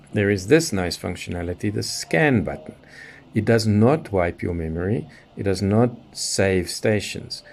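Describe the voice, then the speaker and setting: A middle-aged Southern African man with a deep, gravelly, slightly mellow voice presents a shortwave radio tutorial as a hobbyist. He demonstrates the equipment hands-on without a script, methodically explaining each step, with slight background noise.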